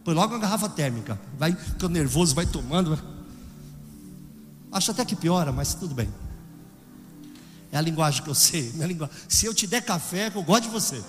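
A man preaching a sermon with a Brazilian Portuguese accent, swinging from loud exclamations to hushed storytelling. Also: fairly high pitch, lively intonation, a little fast, pauses often, big-room sound, soft background music.

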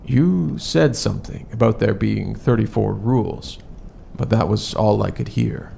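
An actor playing a hesitant, literal-minded male fantasy adventurer in an audio drama, halting and oddly formal. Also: lowish voice, creaky, warm tone, slight background noise. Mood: puzzled. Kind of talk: horror audio drama acting.

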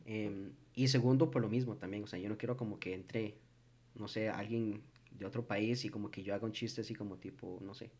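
A young man with a Costa Rican accent, hosting a casual streamed chat, animated and quick to laugh. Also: on the low side, husky. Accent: Costa Rican Spanish. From Costa Rica. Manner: animated, laughing, acts out quoted voices. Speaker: streamer host.

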